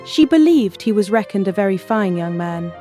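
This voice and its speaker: An actress playing a cautious, reserved young gentlewoman, guarded and polite, in a period audiobook. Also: medium pitch, animated, normal speed, faint music behind, lightly acted. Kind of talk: period novel audiobook acting.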